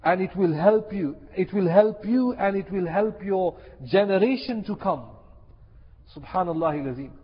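Impassioned high-voiced male preacher. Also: moderate pace, slightly rough. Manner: impassioned, repeats key phrases for emphasis. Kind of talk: sermon. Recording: echoey hall, dull lo-fi sound.

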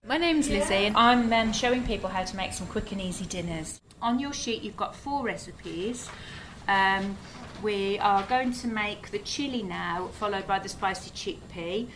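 A woman's voice: mid-range voice, moderate pace, noisy background. A woman teaching a cookery workshop, instructing in a friendly way with fillers, recorded in the workshop room. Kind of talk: cooking demonstration.

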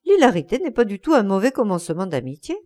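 A woman's voice: medium pitch, very animated, fast talker, a little mellow, lightly acted. A woman reading a languid, witty young lord. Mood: ironic.

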